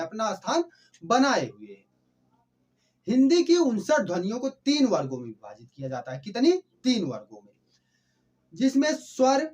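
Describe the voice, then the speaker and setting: Lively grammar teacher. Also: male voice, high-pitched. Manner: asks the class questions and answers them himself, repeats sounds slowly. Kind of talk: classroom lecture.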